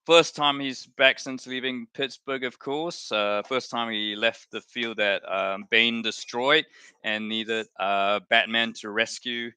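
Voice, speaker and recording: Bright, clear-voiced rambling male streamer. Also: medium pitch, fairly even intonation, slow, dry recording. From Malaysia. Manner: chatty, rambling, self-correcting. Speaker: live-stream host. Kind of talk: casual watchalong chat.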